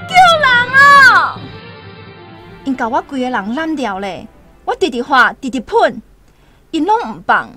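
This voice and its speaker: A woman's voice: high voice, sharp tone, no echo, heavily acted. A woman with a Taiwanese accent playing a frightened young tribal woman in a radio drama. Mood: screaming terror. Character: terrified young tribal woman fleeing her attackers. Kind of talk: dramatic first-person radio drama telling.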